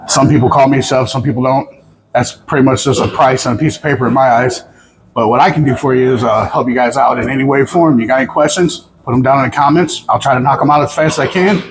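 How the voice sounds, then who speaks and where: A man's voice: medium pitch, poor audio. A middle-aged man who cooks, talking casually to camera in a folksy, plain-spoken way. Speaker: cook of an online show. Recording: music behind the voice.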